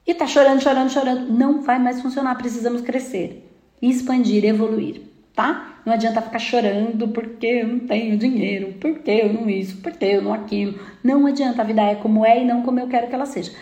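A woman's voice: fairly high pitch, steady tone, quick pace, warm tone, echoey room. A woman with a Brazilian Portuguese accent giving an emphatic spiritual self-help talk, often checking in with "né?" and "tá?". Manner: emphatic, frequent "né?" and "tá?" checks, mimics complainers. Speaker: spiritual speaker.

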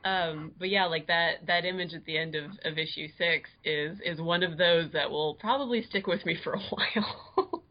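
A woman's voice: on the low side, normal speed, hardly any pauses, muffled recording. A woman co-hosting a podcast, chatty and often laughing. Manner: giggly, chatty. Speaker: podcast co-host. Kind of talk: casual podcast chat.

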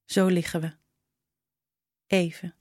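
Female narrator, lowish voice, unhurried intimate read, dry studio sound. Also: flat delivery, darkish tone, no echo. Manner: slow, intimate reading. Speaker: narrator reading a short story. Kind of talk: scripted storytelling.

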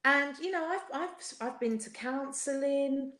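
A woman's voice: high voice, measured pace, fairly bright tone. A woman with a South London accent giving personal testimony in conversation, speaking emphatically with rhetorical repetition and often checking for agreement. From South London, England. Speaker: podcast guest, singer. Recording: roomy, echoey sound.

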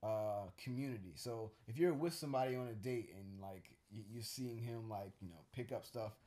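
With a fairly low, dark-toned voice at normal speed, this man co-hosts a laid-back podcast, musing in a rambling way with lots of fillers and false starts.

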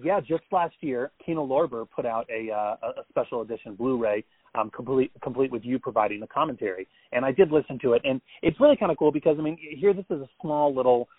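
A man with a mid-pitched voice asks an interview guest questions in a friendly, eager way. He is heard over a thin, phone-like line, and the sound is dry. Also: expressive, fast, no room sound. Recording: tinny phone-line audio.

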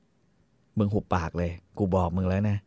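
Dude doing a low gruff old marshal, mocking, drawling slow, dry. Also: male voice, little pitch movement, dark tone, dry recording. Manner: gruff, teasing, coarse.

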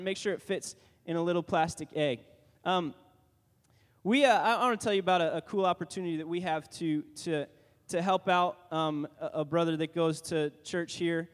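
A man making casual church announcements, joking and rambling with many restarts. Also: sits high. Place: church sanctuary. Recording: long reverb from a large church hall.

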